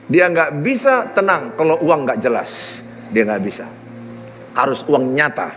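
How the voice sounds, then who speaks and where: A man's voice: fairly high pitch, unhurried, big-room sound, faint music behind. A middle-aged man preaching a sermon, telling stories with humor. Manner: animated, humorous storytelling. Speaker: pastor. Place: large church hall.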